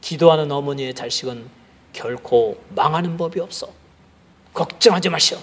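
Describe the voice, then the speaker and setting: A man voicing Ambrose as an old bishop calmly reassuring a mother. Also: a little high, normal speed, breathy edge.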